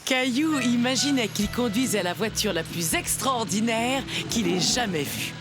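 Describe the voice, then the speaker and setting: A woman playing a kindly grandmother narrator, reading a children's cartoon story in a gentle, explanatory way. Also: a little high, lively intonation, measured pace, music in the background.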